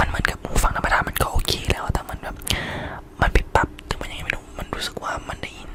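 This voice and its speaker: A man whispers over noticeable background noise. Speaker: ASMR creator. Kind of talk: ASMR product review. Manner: whispered.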